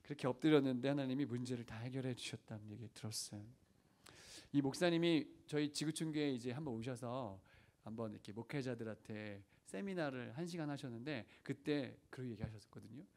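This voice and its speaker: A man's voice: mid-range voice, brisk, darkish tone. A man preaching as senior pastor, telling stories earnestly and asking the congregation questions. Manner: earnest storytelling, acting out prayers and dialogue. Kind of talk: sermon.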